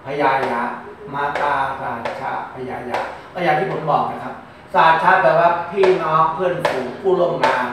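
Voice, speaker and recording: A man's voice: a little high, normal speed, background noise. Thai fortune teller man in echoey room. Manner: repeats words, reads out long lists of numbers. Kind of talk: casual explanatory fortune-telling talk. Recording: very echoey room, mic far off.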